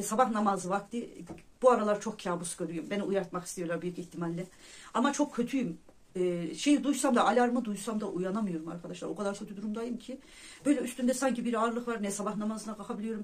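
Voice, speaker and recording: A vlogger earnestly telling viewers about their own dreams and visions, often addressing them as friends. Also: medium pitch. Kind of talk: casual personal storytelling to viewers.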